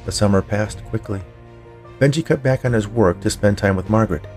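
A man narrating scripted fiction for a podcast in a measured storytelling way. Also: lowish voice, a little mellow, soft background music. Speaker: podcast narrator, writer and producer.

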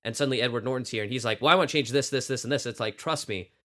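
A man's voice: mid-range voice, very fast. Casual man hosting, slight lisp. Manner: animated anecdote telling, acting out quoted lines. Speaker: podcast host. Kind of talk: casual group chat.

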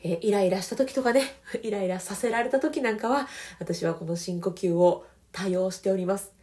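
A woman with a Kansai accent giving casual, gentle advice as a podcast host, laughing lightly between points. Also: mid-range voice, normal speed. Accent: Kansai Japanese.

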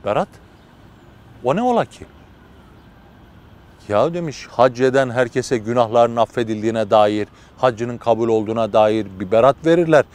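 A man's voice: medium pitch, normal speed, long pauses, darkish tone. A man preaching through a religious story, told vividly and dramatically with casual fillers.

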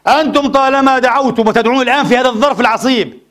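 Preaching a Friday sermon in a mosque, a man speaks in a very high, fairly bright voice at a breakneck, rapid-fire clip. He presses the congregation with impassioned rhetorical questions.

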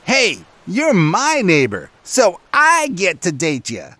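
A man voicing immature, girl-crazy young pig brothers in a storybook, excitable and whiny, talking in bro slang. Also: sits high, slow, dry recording, pitched above the performer's own voice, exaggerated voice. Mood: indignant.

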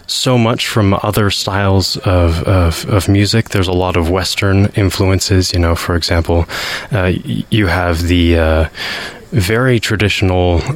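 Young male guest, very deep voice, hesitant, stammers and restarts. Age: young adult. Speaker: radio guest. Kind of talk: casual interview.

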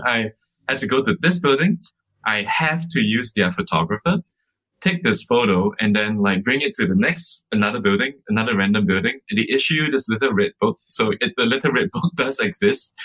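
A man's voice: mid-range voice, fairly bright tone, rough recording. A man who co-founded a startup, answering interview questions casually, with many fillers like "like" and "uh" and frequent restarts. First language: English.

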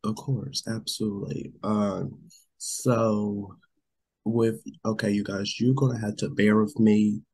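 A man's voice: on the low side, little pitch movement, slow, mellow, rough recording. A man co-hosting a casual show, sick and losing his voice, rambling and saying "you guys" a lot. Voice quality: gravelly, husky. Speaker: podcast co-host.

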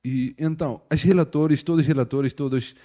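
Non-native man with a European Portuguese accent, halting and searching for words, casual interview guest. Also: a little high, steady tone, mellow. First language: not Portuguese. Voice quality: hesitant, with frequent restarts and filler checks. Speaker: missionary guest.

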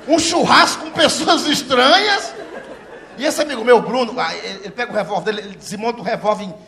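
A middle-aged man telling a profane stand-up comedy story on a live stage, laughing through his lines and shouting when he acts out the people in it. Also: very high voice, fast, gravelly, a crowd in the background, noisy background. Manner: loud, laughing, animated, profane, slips into shouted voices for characters.

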